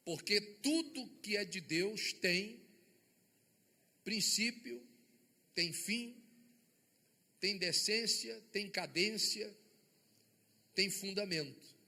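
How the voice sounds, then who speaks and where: A man's voice: high-pitched, drawn-out words, long pauses, sharp tone. A man with a Brazilian accent, a bishop preaching a sermon and firing rhetorical questions at his congregation. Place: church sanctuary before a congregation. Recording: long church reverb.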